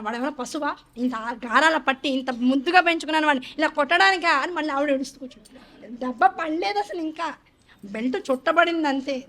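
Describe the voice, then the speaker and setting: A woman giving a religious discourse on scripture, telling stories in a lively, conversational way. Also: high-pitched. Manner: animated, conversational storytelling with asides. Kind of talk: Hindu scripture discourse with storytelling.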